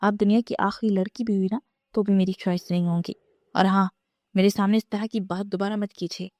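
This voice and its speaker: A woman's voice: mid-range voice, fairly even intonation, darkish tone, no room sound, close to an everyday voice. A woman voicing a proud, rude young husband in a storybook reading, speaking in a cold, cutting, bitter way.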